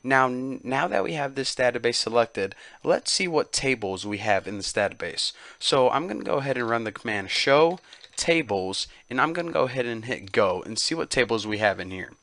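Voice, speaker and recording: A man's voice: mid-range voice, normal speed, no echo. A man hosting a casual screen-recorded tutorial, chatty and loose with many fillers. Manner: relaxed, chatty, uses many fillers like "go ahead" and "basically". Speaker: tutorial host.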